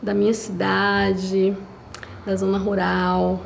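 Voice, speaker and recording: A woman's voice: mid-range voice, monotone, slow pace, gravelly, slight background noise. A woman writer from Bahia, answering interview questions in an earnest, reflective way. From Bahia, Brazil. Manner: earnest, reflective, often seeks agreement. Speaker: independent writer.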